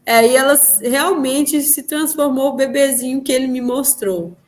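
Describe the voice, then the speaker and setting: A woman telling a personal spiritual testimony in an interview, animated and acting out the dialogue she recalls, with frequent tag questions. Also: high voice, moderate pace.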